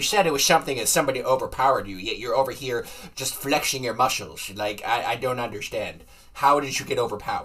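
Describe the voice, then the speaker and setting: A put-on character voice at a very fast pace. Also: man, fairly high pitch for a man. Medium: actual play. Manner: gruff, irritable.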